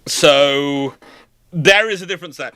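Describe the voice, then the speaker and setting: A man's voice: fairly high pitch, a little slow, sharp tone, smooth. A British man in his forties hosting a casual live question-and-answer chat, rambling and emphatic in his opinions. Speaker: live stream host.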